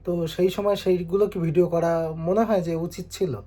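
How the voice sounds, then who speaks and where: A young man calmly explaining and reasoning with viewers in a casual vlog at home. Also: high voice, moderate pace. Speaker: vlogger, husband. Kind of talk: casual vlog talk replying to comments. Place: home indoors.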